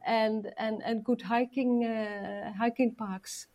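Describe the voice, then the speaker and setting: A woman from the Netherlands speaking as an interview guest, polite and hesitant with many pauses. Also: a little high, steady tone, muffled recording. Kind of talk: interview answers.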